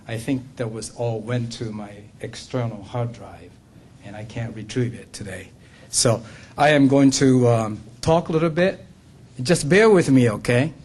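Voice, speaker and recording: Older japanese-accented guy speaking at a business lunch, husky, keeps asking "right?". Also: mid-range voice, measured pace, a little mellow. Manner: earnest, laughs often, asks "okay?" and "right?". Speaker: guest speaker. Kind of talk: business forum talk. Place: luncheon event room.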